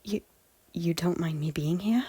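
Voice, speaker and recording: A woman playing an anguished, guilt-ridden noblewoman in an audio drama, with a breathy, often hushed voice and a halting, emotional delivery. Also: lowish voice, no echo. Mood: hushed regret. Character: anguished, guilt-ridden noblewoman, Macbeth's wife, fragile but defiant.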